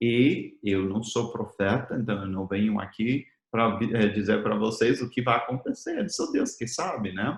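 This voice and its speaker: With an American accent, a man speaks at a fairly slow pace with hardly any pauses, his medium-pitched voice somewhat breathy and showing ordinary pitch variation. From USA. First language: English (speaking Portuguese). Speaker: missionary. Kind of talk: sermon. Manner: casual, conversational.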